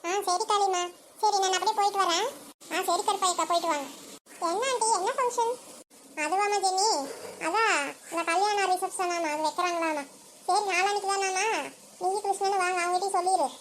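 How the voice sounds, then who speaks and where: Woman, cartoon voices, very high pitch, quick talker, fussing chatter. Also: fairly even intonation, a little hiss or hum. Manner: chatty, fussing village banter. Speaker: narrator voicing all characters. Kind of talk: cartoon voice acting.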